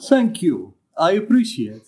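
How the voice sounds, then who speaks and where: A woman playing a courtly, formal foreign gentleman in an audio drama, speaking stilted with great courtesy. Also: fairly low pitch, very animated, measured pace. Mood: courteous.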